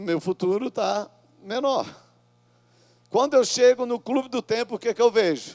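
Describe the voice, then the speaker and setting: A man's extremely high voice at a moderate pace, with ordinary pitch variation, long, frequent pauses, and a dry, close sound with no echo. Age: 60s. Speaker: pastor. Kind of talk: sermon. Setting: church. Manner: interactive, call-and-response with congregation.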